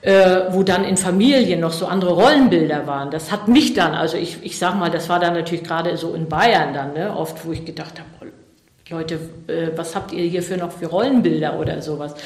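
Low-voiced woman, hesitant interviewee. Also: fairly quick, darkish tone, echoey room. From East Germany. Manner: hesitant, many fillers and restarts. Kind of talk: reflective interview answers.

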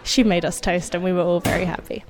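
A woman born in Indonesia, whose first language was Indonesian, telling a personal story in an unhurried, wry way with soft laughs. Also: lowish voice, fairly even intonation, soft background music.

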